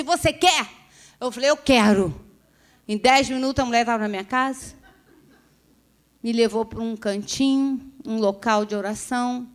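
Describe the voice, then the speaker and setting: A middle-aged woman tells her religious testimony in a fairly high voice. She acts out the dialogue as she goes, keeping her storytelling lively. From Rio de Janeiro, Brazil. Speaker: speaker giving a testimony. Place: restaurant event hall.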